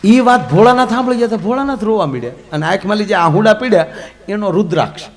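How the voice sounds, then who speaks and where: A man telling comic folk stories in a lively, jokey way, moving between loud outbursts and hushed asides. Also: high voice, fast talker. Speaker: folk storyteller.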